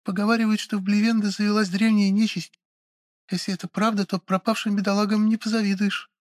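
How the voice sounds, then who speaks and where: Man doing a young noblewoman, high voice, soft, earnest, kind, dry close sound. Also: level tone, fairly quick, no echo, lightly acted. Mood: wistful. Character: gentle caring young noblewoman. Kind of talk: audiobook character voice.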